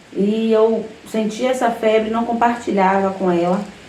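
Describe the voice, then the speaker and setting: Audible room echo and noticeable background noise surround a woman's voice. She speaks at a fairly high pitch with fairly even intonation. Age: 30s. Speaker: justice of the peace and worship minister. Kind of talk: testimony.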